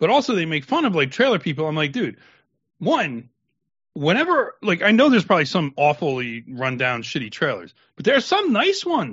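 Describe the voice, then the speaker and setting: A man with an American accent speaks at a fairly quick pace. His high voice makes very wide pitch swings. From New Jersey. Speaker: podcast host. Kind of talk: casual chat. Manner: loud and animated.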